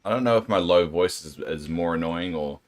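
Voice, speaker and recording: Deep-voiced New Zealand man streaming. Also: moderate pace, soft background music. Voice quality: deep, soothing voice. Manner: rambling, self-deprecating, sympathetic. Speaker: game streamer. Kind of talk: casual chat with viewers while gaming.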